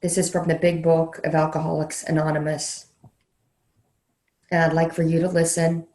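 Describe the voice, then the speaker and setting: A woman leading a guided meditation in a slow, soothing way, leaving long pauses between phrases. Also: low voice, little pitch movement, dark tone. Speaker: meditation leader, counselor educator. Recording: roomy, echoey sound.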